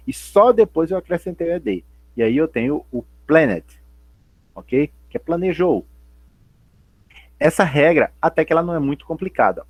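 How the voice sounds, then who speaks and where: A man teaches a class remotely, explaining patiently and going over each point again. His voice is slightly husky and sits in the middle range, recorded close and dry with no room echo. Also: mid-range voice. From Brazil. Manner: patient, repeats and spells out points, asks and answers himself. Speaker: English teacher.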